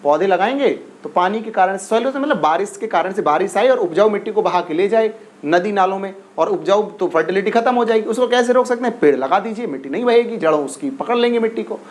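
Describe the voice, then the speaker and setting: A man teaching an exam-prep class in a high, bright-toned voice. He repeats each question several times and keeps urging his students to answer fast. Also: expressive. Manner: repetitive, coaxing, drills questions and urges quick answers.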